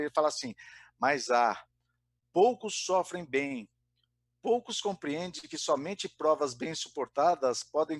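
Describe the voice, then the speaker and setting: A man's voice: a little high, no room sound. A man giving an informal spiritist talk, often hesitating and restarting his sentences. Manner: hesitant, many fillers and restarts. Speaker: spiritist study speaker. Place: Brazil.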